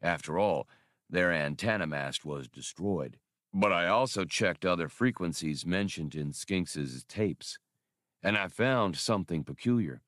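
A man voicing a polite, literal-minded labor droid in an audiobook, speaking in a formal, measured way. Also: low voice, lively intonation, fairly bright tone, no echo, studio quality, pitched below the performer's own voice. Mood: calm, reporting. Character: polite, dutiful male-voiced labor droid, deferential and literal.

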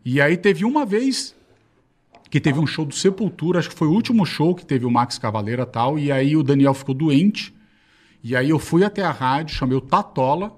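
A man's voice: on the high side, animated, moderate pace. A man with a São Paulo accent telling stories in a rambling, slangy way, swearing often. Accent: São Paulo Portuguese. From Brazil. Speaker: guest. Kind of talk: casual storytelling chat.

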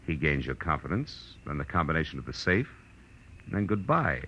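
Very deep-voiced hard-boiled detective. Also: male voice, big pitch swings, normal speed, slightly rough, highs cut off, exaggerated voice. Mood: wry, hard. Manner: clipped, slangy, hard-boiled. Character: hard-boiled male private detective, tough and wry. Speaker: actor playing the lead and narrating. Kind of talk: 1940s radio detective drama acting. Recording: old radio recording with music.

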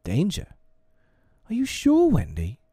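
A man voicing a gentle, anxious mother in a storybook, tender and entreating. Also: mid-range voice, huge pitch swings, normal speed, no room sound, clean studio sound, voice pushed up. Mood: fearful. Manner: entreating, hushed concern.

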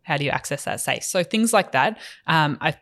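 A podcast co-host explaining finances in a steady, measured way with some filler words. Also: medium pitch.

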